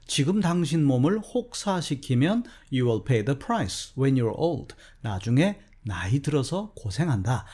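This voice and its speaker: Lively Korean man teaching English vocabulary. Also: on the high side. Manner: explains slowly, reads English example sentences carefully, often starts with "자".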